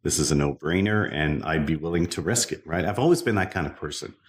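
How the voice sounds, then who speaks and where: A man's voice: very deep voice, fast talker, reverberant. A man talking as an interview guest, earnest and agreeing a lot. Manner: earnest, says yeah a lot. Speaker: guest, marketing staff. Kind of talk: casual interview chat.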